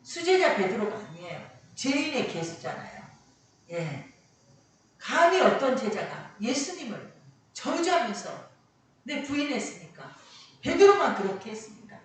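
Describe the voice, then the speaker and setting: A woman's voice: fairly high pitch, big pitch swings, measured pace. A woman preacher giving a Sunday sermon, emphatic, repeating key lines for weight. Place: church sanctuary. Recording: echoey hall, distant mic, faint noise.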